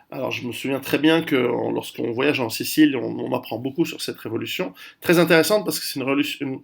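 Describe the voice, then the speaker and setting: Gravelly-voiced man rambling through history. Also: mid-range voice. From Italian heritage. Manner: rambling, many restarts and fillers. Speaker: video host. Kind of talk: casual history talk to camera.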